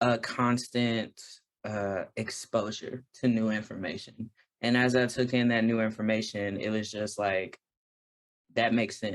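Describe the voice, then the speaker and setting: Medium in pitch, a man speaks slowly-ish, at a fairly slow pace, with monotone, flat intonation. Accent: American. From Texas. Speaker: poet and essayist. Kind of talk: interview conversation. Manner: casual, hesitant with fillers.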